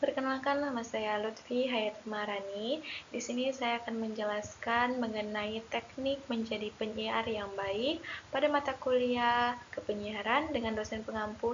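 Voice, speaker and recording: A young woman, a student, reading a formal presentation from her slides in a steady, measured way. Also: a little high. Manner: steady, formal reading with Islamic greeting, pauses on citations. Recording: lo-fi with faint hiss.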